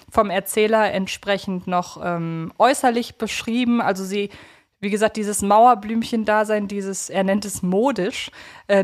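A woman co-hosting a podcast, analysing a story conversationally in a frank and opinionated way. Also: medium pitch. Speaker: podcast co-host. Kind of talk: conversational analysis of an audio drama.

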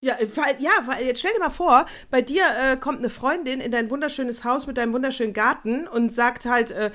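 Opinionated German woman, high voice. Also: a little fast, a bit bright. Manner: opinionated, hesitant with many fillers. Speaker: podcast co-host. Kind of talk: casual chat.

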